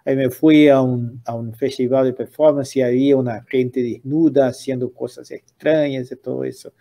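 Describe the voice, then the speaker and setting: A man's voice: medium pitch, steady tone, moderate pace, vocal fry, warm tone. An older man hosting a casual interview on a video call, hesitantly searching for his words as he puts questions. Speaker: interviewer and host. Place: indoor room lined with books. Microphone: computer mic on a video call.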